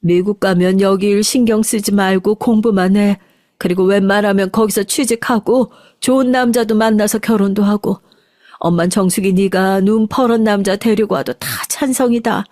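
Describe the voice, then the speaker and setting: A woman's voice: medium pitch, fairly even intonation, moderate pace, no room sound, studio quality, natural voice. A woman voicing a fierce, protective middle-aged mother who stands up for her daughter. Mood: tender. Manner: shouting, indignant.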